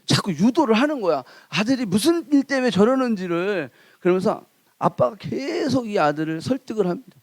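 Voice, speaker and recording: A man preaching a sermon, telling a folk tale with playful, animated delivery and asking the congregation questions. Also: sits high, brisk, no echo. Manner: animated, playful, acts out characters. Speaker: pastor. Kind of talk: sermon with lively storytelling.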